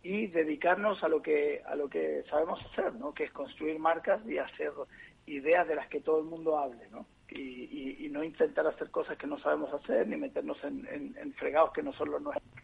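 Gravelly man on a phone line. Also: on the high side, steady tone, a little fast. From Chile. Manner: thoughtful, many hesitations and restarts. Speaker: agency partner, guest. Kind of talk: conversational podcast interview. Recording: tinny phone-line sound.

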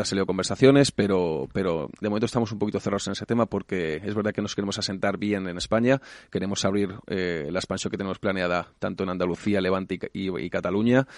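A man's voice: on the low side, a little mellow, no room sound, studio quality. A man talking as a franchise expansion director in a business interview, fluent with some fillers.

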